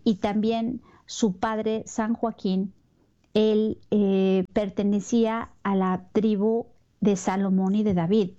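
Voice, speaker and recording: A woman from Mexico with a Mexican accent giving a Catholic religious talk, pausing often with fillers and repeated words. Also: medium pitch, mellow. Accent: Mexican Spanish. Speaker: Catholic speaker. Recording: dull lo-fi recording.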